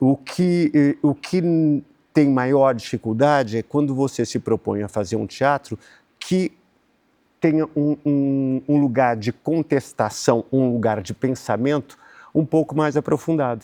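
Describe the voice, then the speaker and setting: Against a quiet background, a man speaks fairly slowly in a fairly high pitch with ordinary pitch variation and a dark, mellow tone, the sound dry and close with no echo. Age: 60s. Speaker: stage actor. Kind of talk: interview. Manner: halting, many fillers.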